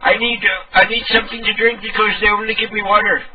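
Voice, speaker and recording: A man's voice: high voice, flat delivery, fast talker, a little hiss or hum, lightly acted. A man playing a befuddled, childlike hospital patient on a prank call, hesitant and stammering as he repeats himself. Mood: confused, eager. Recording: tinny narrow phone line, distant.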